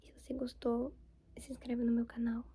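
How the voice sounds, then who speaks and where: A young Brazilian woman whispers softly into the mic, an ASMR chat full of fillers and loose asides. Her voice sits a little high yet dark and mellow. A gravelly fry runs through the hush. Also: completely flat delivery, a little fast. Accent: Brazilian Portuguese. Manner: soft whisper, rambling with many fillers. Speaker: ASMR creator.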